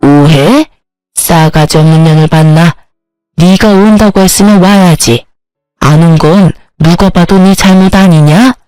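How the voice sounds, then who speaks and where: A woman voicing a harsh older mother-in-law who hurls contemptuous insults in a lowered, slowed voice. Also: no echo, natural voice, low-quality recording. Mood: scornful scolding. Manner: abusive, contemptuous, shouting insults.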